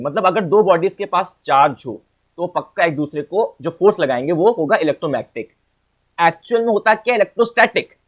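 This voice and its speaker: A man with a slightly raised pitch, teaching physics in an exam-prep lesson. He chats with the viewer, repeats each point several times, and keeps checking in with questions. His tone stays playful and informal. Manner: repeats phrases and asks the viewer rhetorical questions; playful, chatty asides.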